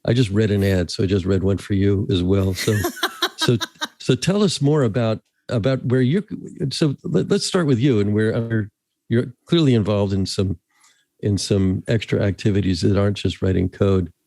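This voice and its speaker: A man's voice: on the low side, normal speed, dark tone, dry recording. A man hosting a podcast interview, talking in a casual, joking way with chuckling asides. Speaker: podcast host.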